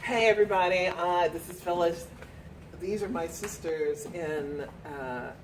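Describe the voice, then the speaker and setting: A woman's voice: lowish voice, unhurried. A woman hosting a casual group chat with friends, upbeat and laughing as she asks each guest to speak. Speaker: host. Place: home with friends. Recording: far mic, echoey room, noisy.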